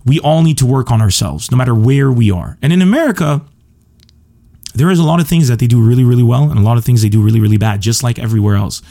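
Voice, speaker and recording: A man's voice: medium pitch, quick pace, warm tone. A man from Lebanon hosting a solo podcast, a stand-up comedian who talks in an earnest, emphatic, self-assured way. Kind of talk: solo podcast monologue answering listener questions.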